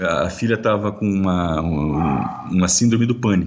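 Intonation is lively as a man speaks. He takes a fairly slow pace. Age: 40s. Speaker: family ministry leader and author. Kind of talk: interview. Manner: hesitant, repeats words.

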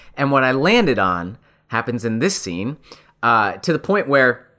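This man has a fairly high voice with a bright, sharp tone. He sounds enthusiastic and animated. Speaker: podcast co-host and voice actor. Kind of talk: casual podcast chat. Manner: enthusiastic, animated.

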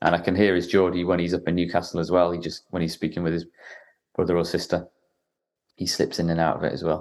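Over a quiet background, a man talks in a very deep, low voice with monotone, flat intonation. His pace is very fast, broken by long, frequent pauses. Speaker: podcast host. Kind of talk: casual chat.

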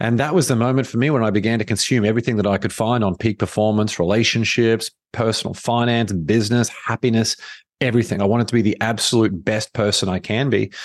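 A man with an Australian accent talks at a very fast pace, his medium pitch held in fairly even intonation. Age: 40s. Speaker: entrepreneur and author. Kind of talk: interview.

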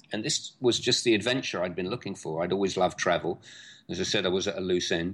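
A man with an English accent speaks at a very fast pace in a very deep, low pitch. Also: ordinary pitch variation. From England. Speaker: sailor. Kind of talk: interview.

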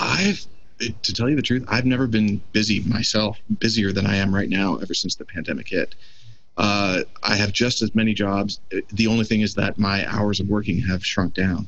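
Fairly low in pitch, a man with a normal speaking voice keeps fairly even intonation at a moderate pace. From Toronto area, Canada. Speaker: music producer and guitarist. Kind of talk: interview. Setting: back deck, remote call.

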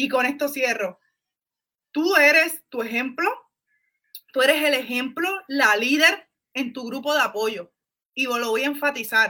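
In a Puerto Rican accent, a raised, projected voice with a bright, sharp tone moves at a fairly slow pace, broken by long, frequent pauses. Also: woman. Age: 20s. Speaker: network marketing team leader. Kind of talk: motivational talk.

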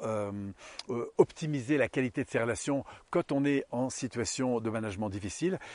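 Lively intonation marks an unremarkable speaking voice, heard dry and close with no echo over a quiet background. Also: man. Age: 50s. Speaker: personal development coach. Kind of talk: personal monologue.

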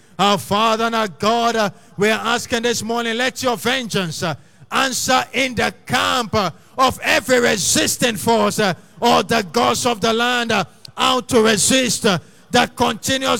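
Raised and projected, a man's voice reaches an extremely high pitch with a bright, sharp tone. He talks at a fairly slow pace with ordinary pitch variation. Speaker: prayer leader. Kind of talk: fervent group prayer leading. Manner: urgent, exhorting.

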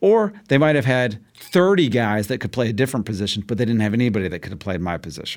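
A man with an American accent talks at a very fast pace with hardly any pauses. His intonation is lively. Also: medium pitch for a man. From southwest Missouri, then Indianapolis. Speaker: stand-up comedian. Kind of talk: casual interview chat.

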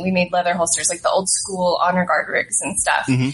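A woman with an American accent talks fairly quickly against noticeable background noise. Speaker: holster company owner. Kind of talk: casual interview.

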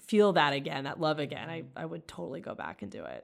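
A woman with a Florida accent, very deep and low in pitch, animated in tone with vocal fry and ordinary pitch variation. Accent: American, Florida. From Orlando, Florida. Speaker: state legislator. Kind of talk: interview.

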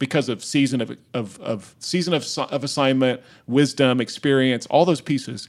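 This is a man with a normal speaking voice, medium pitch and ordinary pitch variation, talking at a moderate pace on a very clean recording with a silent background. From Oklahoma. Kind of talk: casual interview. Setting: studio.

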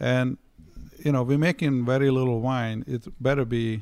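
Speaking at a moderate pace, a man with a medium pitch keeps a fairly even intonation in a dry, close sound with no echo. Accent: Hungarian. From Hungary. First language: Hungarian. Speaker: winemaker. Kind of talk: casual chat interview.

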